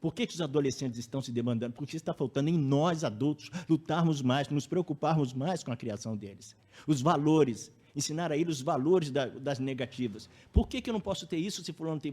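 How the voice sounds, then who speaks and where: A man's voice: medium pitch, warm tone, husky. A man giving a public lecture at a spiritist center, chatty, often tagging sentences with a question and acting out anecdotes. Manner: conversational, tag questions, acts out anecdotes.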